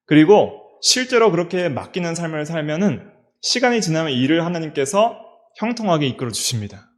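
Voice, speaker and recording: A man's voice: fairly high pitch, very animated, brisk. A middle-aged man, a pastor with a Daegu-region Korean accent, preaching a sermon in a church and asking his listeners many questions. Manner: preaching with rhetorical questions and repetition. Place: church sanctuary.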